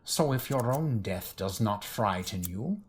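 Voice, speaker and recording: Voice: mid-range voice, lively intonation, unhurried, lightly acted. An actor playing a ruthless Nazi general in an audio drama, formal and menacingly polite. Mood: polite menace.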